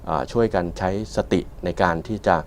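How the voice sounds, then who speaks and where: Male studio guest, very low pitch, hesitant delivery, noticeable background noise. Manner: hesitant, very frequent filled pauses. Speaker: panel guest. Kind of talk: explanatory panel talk. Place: television studio.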